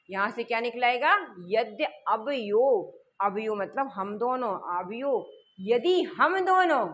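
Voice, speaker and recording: A woman teaching a lesson, reading lines slowly, then explaining them quickly and asking her students questions. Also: fairly high pitch, sharp tone. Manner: explains step by step, asks the class questions and answers them.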